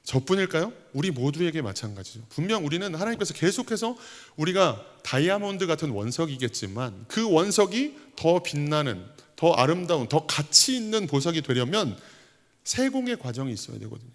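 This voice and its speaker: A man's voice: on the high side, sing-song, brisk. A man in his thirties, an associate pastor, preaching a conversational sermon with prayers voiced aloud. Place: church sanctuary. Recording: long church reverb.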